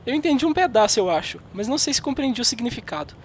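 A fast-talking, impatient female crew member with a Brazilian accent, played by an actress. She is blunt, over a faint noisy rumble, as in a sci-fi radio play. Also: animated, natural voice. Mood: worried. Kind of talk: audio drama acting.

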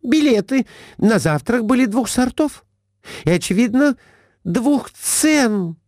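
A man voicing a shrill, scolding middle-aged wife who nags her husband and throws in broken French. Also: lively intonation, slow pace, a little mellow, dry recording, clean studio sound, exaggerated voice.

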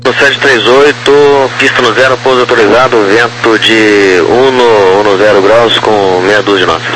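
A man working as a tower controller, giving clipped, procedural clearances in aviation phraseology over a radio transmission. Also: on the low side, steady tone, normal speed. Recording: very noisy aviation radio channel.

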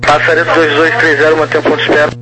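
A man working as an air traffic controller, giving measured, formal instructions in clipped radio phraseology, heard over a two-way radio. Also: fairly high pitch, completely flat delivery, sharp tone. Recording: noisy radio transmission.

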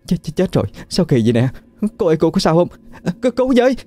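A man's voice: medium pitch, animated, quick pace, mellow, voice pushed up, natural voice. A man doing a panicky stammering young hairdresser woman. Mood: panicked. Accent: Southern Vietnamese.

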